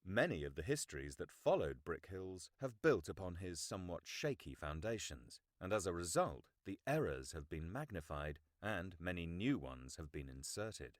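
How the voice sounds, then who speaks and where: Deep-voiced male audiobook narrator. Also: sing-song, dry recording, studio quality. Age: middle-aged. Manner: measured, articulate, formal. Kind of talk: scripted nonfiction audiobook narration.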